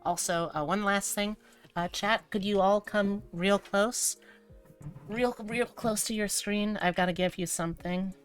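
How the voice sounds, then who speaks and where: A woman's voice: medium pitch, steady tone, measured pace. A woman hosting a livestream, chatting casually to her viewers in an informal, playful way with cutesy wording. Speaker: livestreamer, VTuber host. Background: background music.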